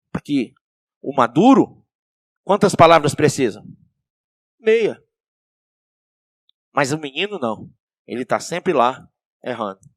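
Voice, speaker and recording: A male pastor with a Brazilian accent preaching a sermon, asking the congregation questions and swinging between soft and loud. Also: on the high side, dry recording, studio quality. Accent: Brazilian Portuguese.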